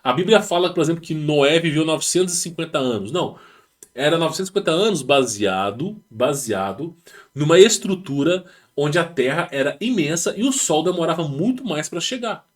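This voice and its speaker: Brazilian male host, higher-pitched, rambling casual commentary with slang and restarts. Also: lively intonation, fairly quick. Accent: Brazilian Portuguese. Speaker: channel host. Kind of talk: casual talk reading and commenting on a text. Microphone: home setup with rural internet.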